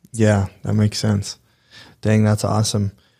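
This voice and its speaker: On a very clean recording with a silent background, a man speaks at a moderate pace. His tone is dark and mellow. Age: 30s. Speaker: podcast host. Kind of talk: casual chat. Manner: animated.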